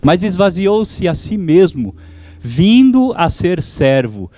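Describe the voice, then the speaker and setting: A man's voice: sits high, big pitch swings, slow, mellow, no room sound. A man whose first language is German, preaching a sermon as pastor, fervent and calling out to his congregation.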